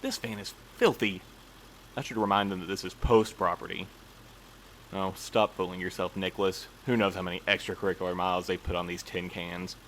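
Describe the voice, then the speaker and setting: A man's voice: low-pitched, steady tone, a little fast, fairly bright tone, a little hiss or hum. A man acting in an audio drama as a fussy, earnest postal supervisor who speaks in formal, precise language. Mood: fretful, muttering. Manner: formal, precise, prim wording. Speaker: voice actor in a fiction podcast.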